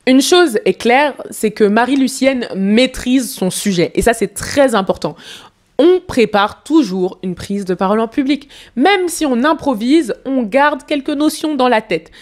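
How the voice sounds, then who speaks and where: A woman's voice: fairly high pitch, expressive, measured pace. Woman coach giving public speaking advice. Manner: advising, direct to viewer. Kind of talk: speech analysis commentary.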